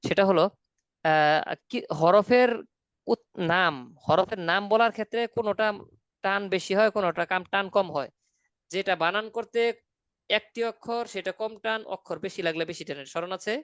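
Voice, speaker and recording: A patient male Quran teacher explains recitation rules step by step, now and then checking that his students follow. His voice is smooth and clear. The sound is dry and slightly muffled, like an online call. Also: high-pitched, moderate pace, pauses often, fairly bright tone, no room sound. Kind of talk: online class instruction.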